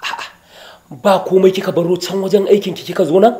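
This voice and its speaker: A man's voice: high-pitched, lively intonation, fairly quick, darkish tone. A man with a Nigerian Hausa accent playing a brusque, grasping middle-aged school official in a TV drama. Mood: stern. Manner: brusque, demanding. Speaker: actor in TV drama. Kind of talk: TV drama acting. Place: small bare office indoors. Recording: echoey room.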